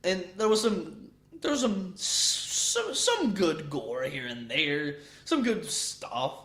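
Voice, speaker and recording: A man's voice: fairly high pitch, very animated, takes it slowly, fairly bright tone. A man with a Swedish accent chatting casually with viewers on a livestream, rambling and swearing, with frequent restarts. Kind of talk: casual chat.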